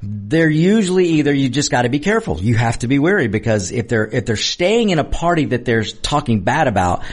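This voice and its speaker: A man's voice: medium pitch, sing-song, brisk, faint music behind. A man hosting a talk radio show in a casual, opinionated monologue, speaking straight to listeners and repeating phrases for emphasis.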